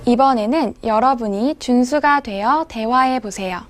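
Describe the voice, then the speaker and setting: A woman language teacher giving scripted instructional narration, with clear, measured enunciation. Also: on the high side.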